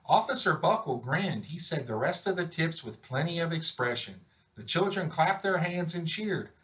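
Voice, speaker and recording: A man reading a children's picture book aloud in an expressive storytelling style. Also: a little high, normal speed, rough recording. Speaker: volunteer story reader.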